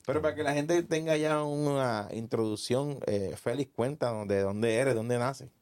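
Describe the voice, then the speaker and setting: A man's voice: mid-range voice, moderate pace, a little mellow, dry recording. A man hosting a Christian testimony podcast, encouraging his guest and finishing his sentences. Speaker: podcast host and interviewer.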